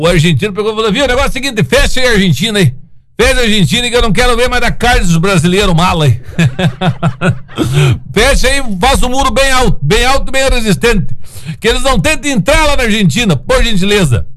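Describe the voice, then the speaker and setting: Lively high-voiced man telling jokes. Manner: animated, laughing often, acts out joke characters. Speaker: host of an informal radio-style audio show. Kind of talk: joke telling and casual chat.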